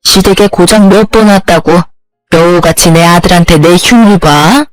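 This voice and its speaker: A woman's voice: on the low side, normal speed, no room sound, soft background music, close to an everyday voice. A woman voicing a bossy, scheming middle-aged mother-in-law in a story, talking down with sarcasm in a dry, close recording. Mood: scolding. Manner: sarcastic, scolding, belittling.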